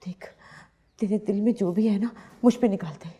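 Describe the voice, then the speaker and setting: A woman's voice: mid-range voice, normal speed, warm tone, husky, natural voice. An actress playing a desperate, guilt-ridden woman who pleads emotionally, in Pakistani Urdu. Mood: pleading. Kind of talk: TV drama acting.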